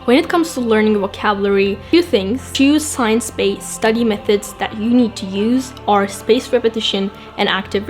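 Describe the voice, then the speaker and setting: A woman host giving an instructive explainer, addressing her viewers directly with rhetorical questions. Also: mid-range voice. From grew up outside Japan. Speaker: language-learning video host.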